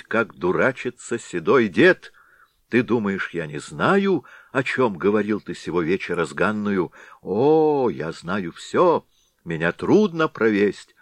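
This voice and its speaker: A man's voice: lowish voice, no room sound. Man as angry village woman in a storybook reading, scolding and accusing, dry recording. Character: angry sharp-tongued village woman, the head's sister-in-law. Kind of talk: audiobook reading.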